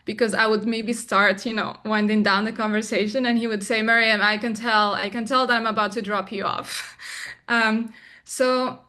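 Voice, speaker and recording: A young adult woman from Morocco, a filmmaker guest in an interview, speaking reflectively with frequent pauses and restarts. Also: fairly high pitch, level tone, sharp tone. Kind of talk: interview conversation.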